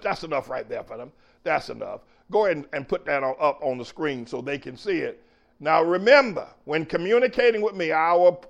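On his own preaching talk show, this pastor delivers a forceful monologue, repeating lines and shouting cues to his engineer. His voice sits high with vocal fry, and the audio sounds dull.

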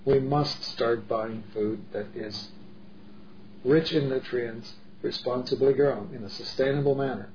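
A man's voice: mid-range voice, steady tone, a little slow. A middle-aged man from the Czech Republic, talking in an earnest, emphatic way with many restarts in a casual discussion. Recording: dull lo-fi audio with faint noise.

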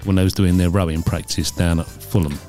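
A man's voice: low-pitched, fairly even intonation, brisk, mellow, faint music behind. A man hosting a podcast, teasing his co-host and telling stories bluntly. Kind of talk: casual chat.

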